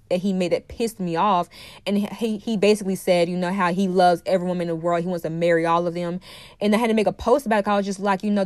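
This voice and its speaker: A woman's voice: mid-range voice, no echo. A woman hosting her own podcast, lecturing emphatically and repeating her key phrases, sounding congested from a cold. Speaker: podcast host and dating coach. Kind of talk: opinionated solo podcast monologue.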